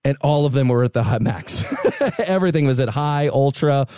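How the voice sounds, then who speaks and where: A man co-hosting a casual podcast, telling gaming stories in an animated way with quick laughs. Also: mid-range voice, no echo. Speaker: podcast co-host. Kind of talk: casual chat about video games.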